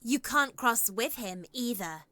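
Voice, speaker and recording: A woman's voice: on the high side, animated, slow pace, pushed and bright, no echo, full character voice. An actress playing a haughty, stubborn young woman traveller in a fantasy game. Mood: haughty, insistent. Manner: haughty, insistent.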